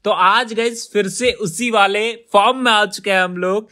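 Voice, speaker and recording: A man's voice: sits high, fairly even intonation, measured pace, sharp tone. A young man hosting a gaming prank video, chatting casually and pleading playfully with his teammates. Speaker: gaming YouTuber host.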